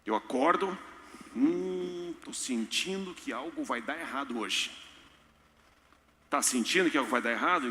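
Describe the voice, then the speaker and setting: A pastor preaches with playful energy, joking and slipping into little voices. His voice is higher than most men's and forcefully bright. Long reverb from a large church hall surrounds him. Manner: animated, joking, acts out voices. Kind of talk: sermon.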